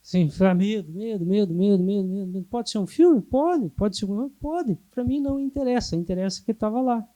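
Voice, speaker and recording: A man teaching a hypnotherapy class in a calm, explanatory way. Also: sits high, normal speed, hardly any pauses. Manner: calm, explanatory, sometimes acts out clients. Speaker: hypnotherapy instructor.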